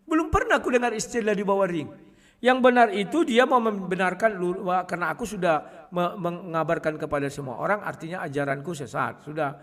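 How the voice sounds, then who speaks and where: A man speaking casually to his viewers in a combative way, often clearing his throat. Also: high-pitched, a little fast, fairly bright tone, long reverb tail. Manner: combative, addresses listeners as "kawan", frequent throat clearing. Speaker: online video host.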